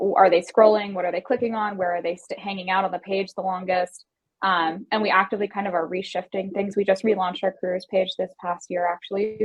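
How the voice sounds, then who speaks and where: Using fairly even intonation, a woman talks at a fairly quick pace and a medium pitch. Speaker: recruiting panelist. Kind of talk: panel discussion. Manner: fast.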